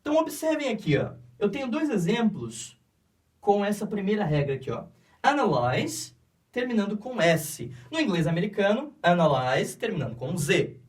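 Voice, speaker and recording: A man teaching English to Brazilian students in a classroom, explaining slowly and often checking in with "ok?". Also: high-pitched, very animated, darkish tone, distant mic. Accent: Brazilian Portuguese. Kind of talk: classroom lecture.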